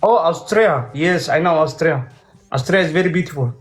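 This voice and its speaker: A man's voice: a little high, moderate pace. A man from Ethiopia chatting with strangers on a live stream in simple, broken English and repeating himself. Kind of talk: casual video-chat small talk.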